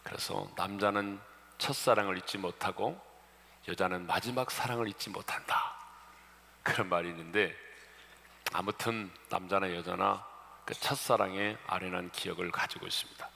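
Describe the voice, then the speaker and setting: A man's voice: deep voice, steady tone, normal speed, vocal fry, bright, forceful tone. A man preaching a sermon as a pastor, often calling out to the congregation and joking between points. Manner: addresses congregation often, jokes about regional dialects. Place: church sanctuary. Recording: long church reverb.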